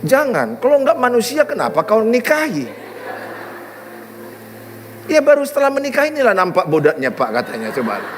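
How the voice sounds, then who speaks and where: A man's voice: extremely high pitch, normal speed, long pauses, in a large hall, slight background noise. A middle-aged man preaching a sermon, telling stories with humor. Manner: animated, humorous storytelling. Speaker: pastor. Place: large church hall.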